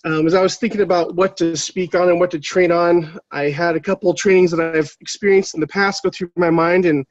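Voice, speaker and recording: A man getting over a cold, his voice a little raspy, giving a motivational team training in a halting way, with many fillers and restarts. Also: sits high, fairly even intonation, dry recording, muffled recording.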